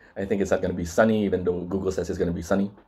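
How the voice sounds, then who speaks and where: A man is speaking. The tone is dark and mellow. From Philippines. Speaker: travel vlogger. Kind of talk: casual vlog monologue. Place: home room. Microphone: phone near.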